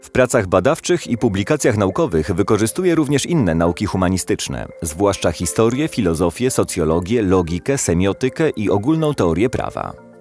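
A man reading scripted documentary narration in an even, formal manner over music. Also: on the low side, moderate pace.

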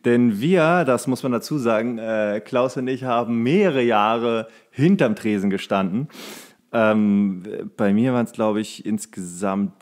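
Young guy on a podcast, average pitch, rambling and kidding around w his buddy. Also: unhurried, darkish tone. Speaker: podcast co-host. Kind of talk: casual banter, storytelling.

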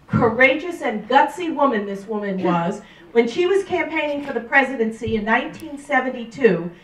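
Woman, middle-aged, passionate campus speaker, handheld mic; distant, roomy sound. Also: a little high. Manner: loud, emphatic, listing with rising stress. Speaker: professor reading a statement. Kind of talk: public speech at a campus event. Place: large lecture room. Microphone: handheld mic, far camera. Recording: roomy hall from far off.

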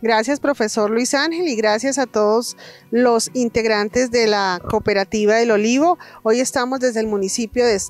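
A woman's voice: fairly high pitch, normal speed, faint music behind. Brief: Colombian woman co-host, 40s, announcer delivery, handheld mic outdoors. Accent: Colombian, Boyacá. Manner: announcer-like, reads details clearly. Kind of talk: scripted presenting. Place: outdoors in a farm field.

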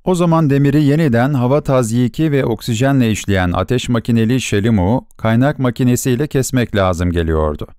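A man narrating a short story for an audiobook in a measured storytelling delivery. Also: mid-range voice, a little mellow, smooth, no room sound, clean studio sound. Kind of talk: scripted narration.

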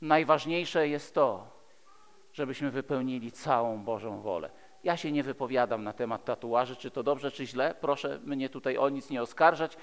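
This sermon comes from a Polish man in his fifties with a medium-pitched voice and a moderate pace. Emphatic and rhetorical, he repeats phrases and swings between loud and hushed. He stands at a pulpit in a large church hall, and the sound echoes with long reverb.

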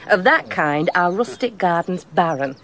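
An actress playing a modest, witty young shepherdess hosting a feast in a radio play. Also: female voice, lowish voice, lively intonation, a little slow, fairly bright tone, a little hiss or hum. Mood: gracious.

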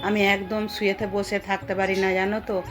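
A middle-aged woman speaks Bengali with a West Bengal accent in a casual vlog voice-over. Her voice is mid-pitched and stays fairly flat as she chats directly to her viewers about everyday home life. Music plays clearly behind her. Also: a little fast. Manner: chatty, addresses viewers directly as friends. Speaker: homemaker and vlogger. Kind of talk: casual vlog voice-over narrating cooking and household routine.

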